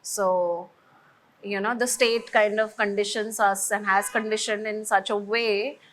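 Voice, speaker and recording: A woman's voice: mid-range voice, steady tone, a little slow, fairly bright tone, a little hiss or hum, poor audio. Reflective Indian woman on a film panel. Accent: Indian English. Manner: reflective, hesitant, many fillers. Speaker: filmmaker on a panel. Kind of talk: casual roundtable discussion.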